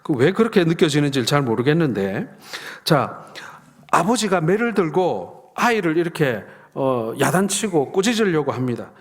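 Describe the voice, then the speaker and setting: Middle-aged male pastor, lively storyteller voicing family dialogue, slightly raised pitch, echoing sanctuary. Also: normal speed. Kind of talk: sermon. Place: church sanctuary. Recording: long reverb of a church hall.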